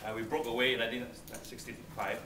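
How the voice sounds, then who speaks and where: A middle-aged man teaches a debate class in a large brick seminar room, brisk and teasing, hammering his points home. He is caught by a distant camera, so his voice sounds roomy and set back, with steady room noise behind him. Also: medium pitch. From Singapore. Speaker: debate lecturer. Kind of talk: classroom lecture with questions. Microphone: far camera, no close mic.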